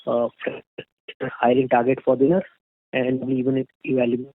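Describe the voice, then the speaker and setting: A man's voice: medium pitch, monotone, normal speed, dry recording. A man, an analyst, asks questions on a conference call. He hesitates and repeats words while his audio glitches and breaks up. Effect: glitchy, breaking-up phone audio. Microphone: phone. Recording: tinny, dry phone line breaking up.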